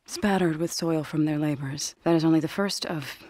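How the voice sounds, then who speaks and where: In a video game, an actress voices a solemn, gentle tribal woman who is the grave singer of a farming people. Her low female voice is soft, measured, earnest and formal, with a grave, worried mood and no room sound.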